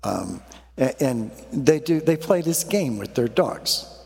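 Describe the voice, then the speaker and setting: A man preaching a sermon, warming up with a folksy made-up story before turning to the gospel lesson. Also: medium pitch, big pitch swings, takes it slowly, vocal fry, in a large hall. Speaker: pastor.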